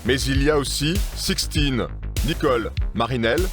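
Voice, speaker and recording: A man reading a scripted documentary narration in a measured, serious voice. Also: mid-range voice. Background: music.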